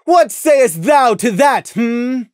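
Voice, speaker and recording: A stern royal mare who speaks in thee and thou, pitched high and loud, as a reader puts her on. Her speech swings widely in tone, imperious and commanding. The recording is dry and close. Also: expressive, a little slow, no echo, faint music behind. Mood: demanding. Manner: archaic formal speech, commanding. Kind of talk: audiobook reading of fan fiction.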